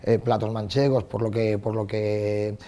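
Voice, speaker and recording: A chef speaking steadily in an interview. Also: male voice, lowish voice, little pitch movement, a little slow, mellow. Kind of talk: interview talk.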